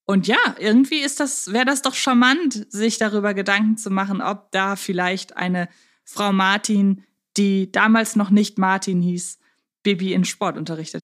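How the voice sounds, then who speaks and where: A woman's voice: medium pitch, fairly even intonation, normal speed. A woman co-hosting a podcast, chatting casually and discursively, thinking aloud as she goes. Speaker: podcast co-host. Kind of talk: casual chat about audio dramas.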